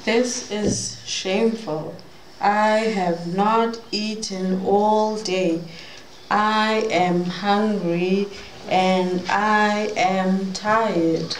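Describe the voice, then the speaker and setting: A young woman playing a weary, hungry, polite tortoise in a live audio drama, speaking in a plodding, deliberate way. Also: mid-range voice, fairly even intonation. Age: young adult. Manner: plodding, deliberate, spelling out letters. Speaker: amateur actor in an audio drama. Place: large wood-panelled conference hall, indoors. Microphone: microphone on a stand, filmed by camera. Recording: echoey hall, clear background noise.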